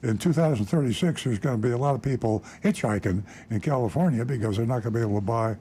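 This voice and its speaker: A man's voice: medium pitch, fast, warm tone, a little hiss or hum. An older man hosting a radio talk show, explaining things in a folksy, rambling way. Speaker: host.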